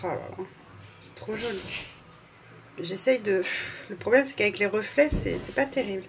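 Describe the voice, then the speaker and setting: A woman's voice: mid-range voice, moderate pace, noisy background. A woman vlogger in casual, gushing chat, fumbling and apologizing as she reads out names. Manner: fumbles and restarts while reading labels.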